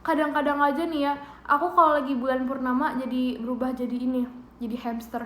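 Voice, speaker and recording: A woman's voice: high-pitched, flat delivery, fairly quick, a bit bright, a little hiss or hum. A young woman with an Indonesian accent, hosting a casual livestream from home in a playful, giggly way and thanking viewers. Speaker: idol livestream host. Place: bedroom at home. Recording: roomy echo from a home livestream.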